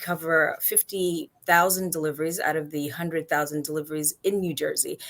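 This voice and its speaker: With a New York accent and a fairly low pitch, a woman talks at a fairly quick pace, hardly pausing at all. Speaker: maternal health nurse. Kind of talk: interview.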